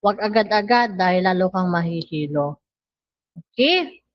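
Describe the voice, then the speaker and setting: A woman teaching pronunciation in an online language lesson, drawing out syllables slowly for her students to repeat. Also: fairly low pitch, expressive. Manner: slow, drawn-out syllable drills. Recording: dull lo-fi sound.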